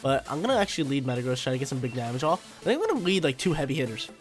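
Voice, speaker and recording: Young male gaming commentator, congested and nasal, rapid and excitable, light game music underneath. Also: mid-range voice. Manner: hyped, slangy, talks to himself about moves. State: stuffy, nasal from allergies. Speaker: gaming YouTuber. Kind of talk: live commentary over a video game battle. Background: faint game music.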